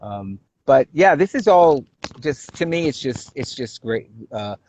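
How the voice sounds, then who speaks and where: A Puerto Rican Native American man with a Brooklyn accent, the guest on a casual livestream chat, talking haltingly with many fillers and restarts. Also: mid-range voice, expressive, a little mellow, slight background noise, low-quality recording. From Puerto Rican Native American from the USA.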